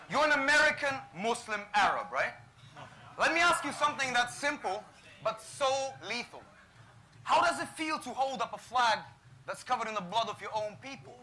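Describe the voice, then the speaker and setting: A man's voice: very high voice, sing-song, fairly quick, sharp tone, a little hiss or hum, poor audio. A man with a Russian accent delivering taunting rap battle verses. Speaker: battle rapper.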